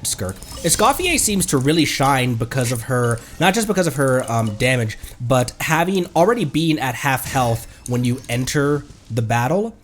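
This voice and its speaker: A man's voice: mid-range voice, big pitch swings, normal speed, few pauses, a little hiss or hum. A man giving casual, rambling live game commentary and chatting playfully with viewers. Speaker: game streamer, VTuber.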